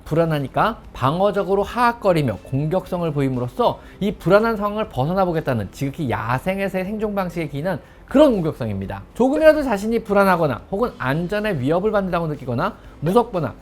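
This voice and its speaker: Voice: medium pitch, sing-song, fast talker, few pauses. A veterinarian hosting a pet-care talk, explaining in an emphatic way and stretching the ends of phrases.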